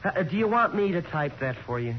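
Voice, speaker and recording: An actor playing an eager, slangy newspaper reporter in a 1940s radio crime drama. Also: male voice, a little high, sing-song, brisk. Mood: breezy. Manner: breezy, eager. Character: chipper slangy young newspaper reporter, inquisitive. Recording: muffled hissy vintage radio recording.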